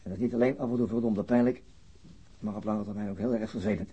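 Tired wounded cop dad in a radio drama, sardonic n gloomy, really husky, low mellow voice. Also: male voice, steady tone, quick pace. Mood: bitter, brooding. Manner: subdued, weary, sardonic, hesitant. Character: gloomy, wry wounded policeman, father recovering in hospital. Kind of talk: naturalistic radio play acting.

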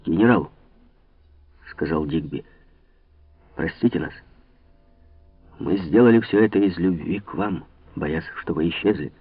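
A man's voice: low-pitched, measured pace, long pauses, breathy edge, dry recording, voice pushed down, exaggerated voice. A man doing a blustering army officer. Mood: humble apology. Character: blustering male army officer, later humbled. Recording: tinny, phone-like, dry.

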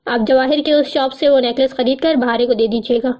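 A woman's voice: sits high, fairly even intonation, close to an everyday voice. A woman voicing a young man on the phone who speaks in a stiff, dry, unbending way. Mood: curt. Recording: muffled lo-fi recording.

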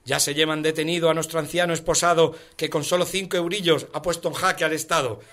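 Bright-voiced man reciting. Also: a little high, steady tone, quick pace. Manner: rhythmic, emphatic recitation with colloquial clipped words. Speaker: comedian guest. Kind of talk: rhyming satirical poem recital and radio banter.

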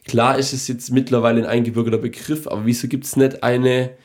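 A young man co-hosting a podcast, talking in a loose, rambling way and pressing his opinions. His voice sits at a middling pitch, and he swears casually while he chats. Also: little pitch movement, brisk, a little mellow. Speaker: podcast co-host. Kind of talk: casual chat.

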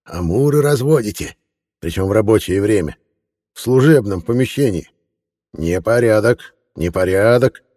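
A man voicing a sly, fussy old male antiquarian who speaks in a drawn-out, mock-kindly grandfatherly tone. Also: lowish voice, lively intonation, darkish tone, long reverb tail. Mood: mock scolding. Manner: slow, drawn-out, grandfatherly scolding tone.

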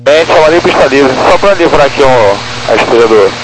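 A man's voice: mid-range voice, expressive, fairly quick. A Brazilian man, a helicopter pilot, talking to the tower in loose procedural phrases over crackly, military-style radio. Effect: crackly aviation radio. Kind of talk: informal procedural radio exchange. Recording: crackly noisy cockpit radio transmission.

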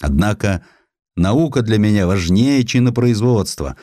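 Man playing a proud young officer, low-voiced. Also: lively intonation, a little slow, warm tone, no room sound, clean studio sound. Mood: resolute. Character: proud, determined young aristocratic naval officer.

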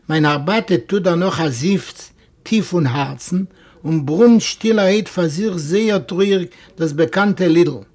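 A man reading a classic story aloud, telling it expressively and rising into animated exclamations. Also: sits high, slow pace. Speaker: reader.

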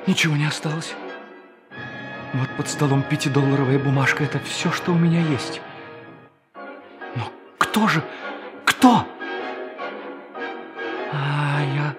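A man's voice: a little high, unhurried, pauses often, over music, lightly acted. An actor playing a tormented, obsessive man confessing to theft, frantically repeating his words in a theatrical audio drama. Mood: shocked, despairing.

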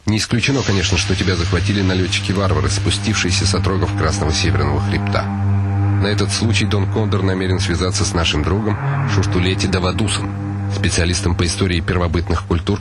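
A man's voice: low-pitched, steady tone, quick pace, loud music behind the voice, natural voice. An actor voicing a weary, ironic nobleman's inner monologue in a radio play. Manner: brooding, dryly ironic musing.

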